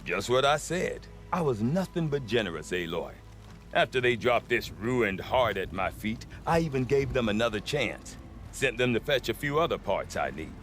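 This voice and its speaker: An actor playing a wily, sentimental tribal trader in a video game, talking in a wry, theatrical, self-justifying way. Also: male voice, mid-range voice, sing-song, moderate pace, fairly bright tone, faint music behind. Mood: defensive, wry. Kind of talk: video game cutscene acting.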